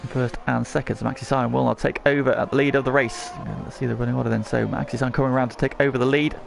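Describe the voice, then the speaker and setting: Gravelly man, motorsport commentator. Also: medium pitch, fairly even intonation, fast. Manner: narrates action in short present-tense phrases. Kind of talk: motorsport commentary on an online sim race.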